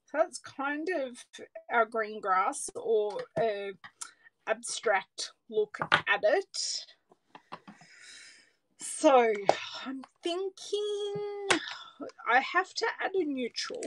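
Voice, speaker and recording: Speaking very slowly in a high, animated voice with frequent pauses, an Australian woman makes cards at an indoor craft table while an overhead camera films her hands. She chats casually and thinks aloud for her livestream, now and then sinking to a murmur, with background noise audible.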